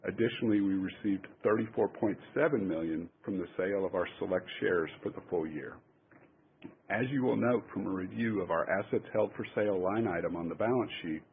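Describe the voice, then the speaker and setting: Low, gravelly man on a tinny phone line. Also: slight background noise. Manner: formal, measured reading of figures. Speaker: company executive. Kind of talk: scripted earnings call presentation. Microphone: conference call phone line.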